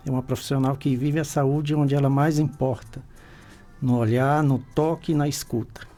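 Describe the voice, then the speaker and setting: A man hosting a radio interview, speaking in a measured, formal, announcer-like way from a radio studio. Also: mid-range voice, steady tone, mellow, soft background music.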